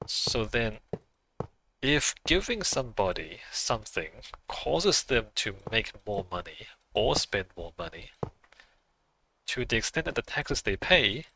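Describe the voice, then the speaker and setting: A man's voice: lowish voice, bright, forceful tone, slight background noise, rough recording. A man who is not a native English speaker, chatting casually on a game livestream, thinking aloud and musing with small laughs.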